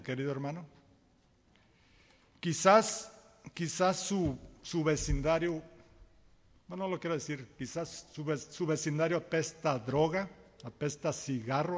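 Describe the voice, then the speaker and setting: Male preacher, folksy storyteller, high voice, echoing church hall. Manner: folksy storytelling, acts out dialogue, chuckles. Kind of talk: sermon with a parable.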